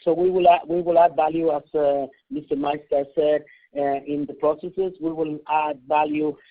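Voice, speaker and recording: A man from Chile, speaking on a conference call in halting English full of fillers and restarts, over a tinny phone line. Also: on the high side, flat delivery. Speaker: executive at partner company.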